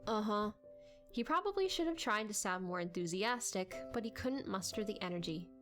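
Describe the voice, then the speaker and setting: A woman narrating a story as an expressive dramatic audiobook reading. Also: mid-range voice, moderate pace, music in the background.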